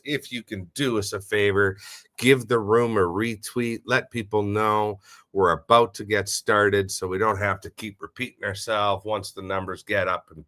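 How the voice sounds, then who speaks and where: A man hosting a casual live audio stream, sounding nasal and stuffy from a head cold and giving upbeat shout-outs to listeners. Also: lowish voice. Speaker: host. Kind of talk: casual livestream chat.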